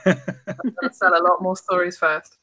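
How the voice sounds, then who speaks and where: A woman's voice: fairly low pitch, level tone, moderate pace, bright, forceful tone, soft background music. A British woman chatting casually as a guest, playful and informal. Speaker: guest writer. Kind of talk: casual chat.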